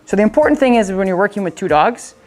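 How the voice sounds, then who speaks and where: A woman's voice: mid-range voice, expressive, fast, a little mellow, faint music behind. A woman working as a dog trainer, coaching owners in a casual, chatty way and breaking off to give the dog short, upbeat commands.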